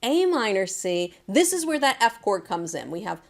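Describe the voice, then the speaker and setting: A woman's voice: mid-range voice, big pitch swings, moderate pace, creaky. A woman giving a casual, chatty guitar lesson, talking informally and directly to viewers as their teacher. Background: acoustic guitar.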